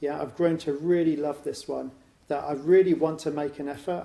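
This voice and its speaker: With an English accent, a man speaks in a fairly high pitch with a dark, mellow tone. His intonation stays fairly even. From England. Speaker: Buddhist teacher. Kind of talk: dharma talk.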